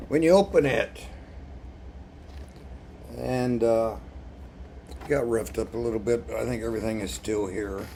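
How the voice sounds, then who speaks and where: A man's voice: medium pitch, darkish tone. A man chatting casually as a video blogger through an unboxing, with a wry manner and an irritated throat. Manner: wry, chuckling at own remarks. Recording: noticeable background noise.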